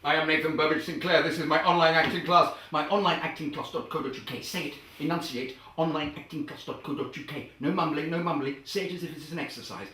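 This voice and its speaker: A man playing a pompous, self-important acting coach who over-enunciates grandly and breaks into sudden loud outbursts. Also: a little high, fast talker, few pauses, background noise, lightly acted. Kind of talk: comedy character sketch. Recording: very echoey, far from the mic.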